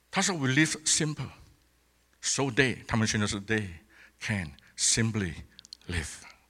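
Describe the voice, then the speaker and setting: A man's bright, sharp voice at medium pitch, with very wide pitch swings, a fairly slow pace and long, frequent pauses, in audible room echo. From Singapore. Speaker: pastor. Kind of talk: sermon.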